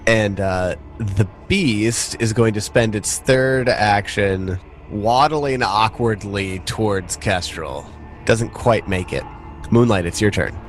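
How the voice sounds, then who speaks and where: A man's voice: lowish voice, takes it slowly, faint music behind. A man narrating a tabletop roleplaying game as game master in a casual, conversational way. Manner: informal, conversational.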